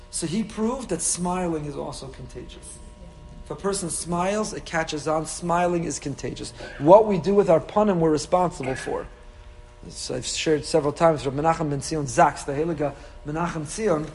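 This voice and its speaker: A man with a Yiddish-inflected American Orthodox Jewish accent gives an impassioned, rhetorical sermon as a rabbi, sprinkling in Yiddish and Hebrew and repeating phrases for effect. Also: high-pitched. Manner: animated, rhetorical repetition, peppers speech with Yiddish and Hebrew. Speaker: rabbi giving a Torah lecture. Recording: reverberant hall.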